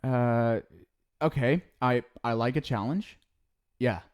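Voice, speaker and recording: A man's voice: mid-range voice, slow, clear, resonant tone, lightly acted. A man voicing an exasperated male ghost soulmate from the afterlife who swears while scolding and stumbles over restarts when he explains himself, in an ASMR roleplay. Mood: sheepish fumbling.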